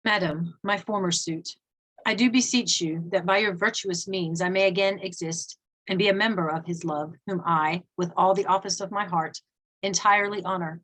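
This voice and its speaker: A woman reading the part of a courteous, disgraced young gentleman officer, formal and earnest in Shakespearean verse. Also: lowish voice, fairly even intonation, moderate pace, rough recording. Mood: pleading.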